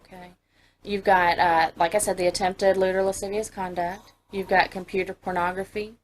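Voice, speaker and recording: A woman's voice: mid-range voice, little pitch movement, normal speed. An American woman, a police investigator, questioning a suspect in a direct, pressing way. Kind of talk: police interrogation. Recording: noisy interview room audio.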